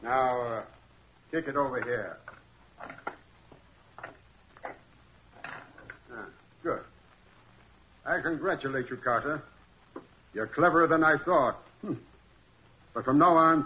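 A muffled old radio recording holds a smug male villain. The voice is bright and forceful. He gloats deliberately, scheming and coolly threatening. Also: medium pitch, a little hiss or hum. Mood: menacing. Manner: smooth-talking, gloating, deliberate. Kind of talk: 1940s radio crime drama acting. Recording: muffled, dull vintage 1940s radio recording.

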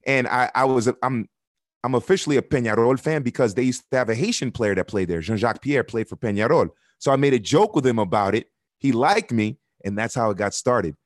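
In this studio-quality podcast interview with no room sound, a soccer broadcaster from Miami, United States, talks a little fast at a medium pitch with lively intonation. Earnest and candid, he builds his arguments by repeating himself.

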